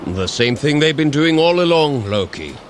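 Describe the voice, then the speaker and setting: Genial Norse god, very expressive. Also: male voice, on the high side, moderate pace, faint music behind. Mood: genial, mildly skeptical. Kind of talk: scripted audio drama. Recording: faint outdoor city noise. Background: faint outdoor street sounds.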